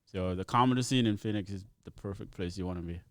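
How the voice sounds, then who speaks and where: A man's voice: low voice, fast, no echo, clean studio sound. A young man from Ethiopia, chatting easily as a comedian guest on a podcast and laughing often. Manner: easygoing storyteller, laughs often. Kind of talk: casual podcast chat.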